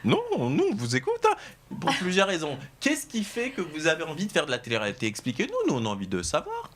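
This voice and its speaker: A man hosting a TV talk show, presenting in a lively, emphatic showman's way to guests and camera. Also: a little high, quick pace, background noise. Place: TV studio.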